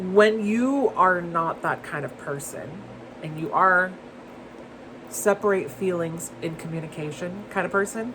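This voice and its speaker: Noticeable background noise sits under a woman talking at a fairly slow pace. Her medium-pitched voice has ordinary pitch variation and big swings in loudness. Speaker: video blogger. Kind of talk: casual monologue to camera. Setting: in bed. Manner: hesitant, with fillers.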